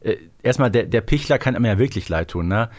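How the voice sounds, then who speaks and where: A man's voice: on the low side, animated, quick pace, darkish tone. A man co-hosting a podcast, chatting casually and retelling a story, often ending on tag questions. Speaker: podcast co-host.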